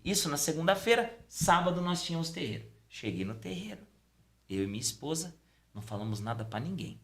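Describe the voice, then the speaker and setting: A middle-aged man, a podcast guest telling a personal story casually and acting out the dialogue. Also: fairly quick. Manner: animated storytelling, acting out dialogue with pitch swings. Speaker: podcast guest, Umbanda priest.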